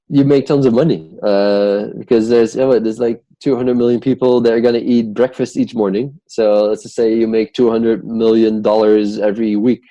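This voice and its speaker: A man's voice: lowish voice, mellow, dry recording, muffled recording. A man from the Netherlands with a Dutch accent tinged with British English, chatting casually as a podcast guest and filling his talk with "like". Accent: Dutch with some British English. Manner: rambling, heavy use of "like". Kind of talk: casual conversation.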